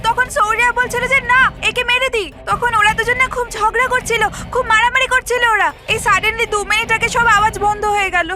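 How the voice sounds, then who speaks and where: An actress playing a frightened young kidnap victim in a TV crime drama, pleading and stammering in panic. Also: female voice, very high-pitched, steady tone, a little fast, hardly any pauses, over a noisy crowd. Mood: shaken, breathless. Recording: loud music over the dialogue.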